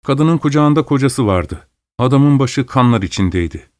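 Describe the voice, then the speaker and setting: A man reads a dark tale aloud with measured, even delivery in a mid-pitched voice. The sound is close and dry, with no room behind it. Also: no echo. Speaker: storyteller. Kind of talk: read-aloud story narration.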